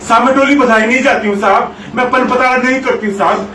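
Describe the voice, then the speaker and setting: A man playing a brash streetwise woman who pleads and wheedles one moment and throws loud bold threats the next, in a film scene. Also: very high voice, steady tone, fast talker, a little hiss or hum. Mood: pleading. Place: film set in large hall. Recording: echoey hall from far off, crowd behind.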